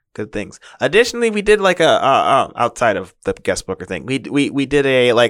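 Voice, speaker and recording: Loud and at a fairly quick pace, a man talks with very wide pitch swings in a very clean recording with a silent background. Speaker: game developer and podcast co-host. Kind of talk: casual chat. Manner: loud, voice carries.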